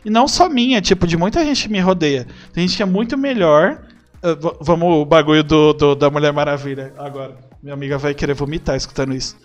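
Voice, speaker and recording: A young Brazilian man chatting as a podcast guest, animated and acting out bits of dialogue. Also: fairly high pitch, fast talker, soft background music. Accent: Brazilian Portuguese. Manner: animated, acts out quoted dialogue. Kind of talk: casual chat.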